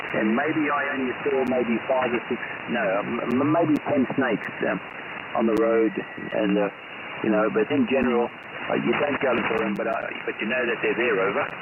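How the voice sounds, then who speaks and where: With an Australian accent, a man talks amid noticeable background noise, his loudness very even, his pitch variation ordinary, and his speech broken by long, frequent pauses. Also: medium pitch for a man, moderate pace. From Australia, New South Wales south coast. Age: 60s. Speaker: amateur radio operator. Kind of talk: amateur radio conversation. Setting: radio transmission.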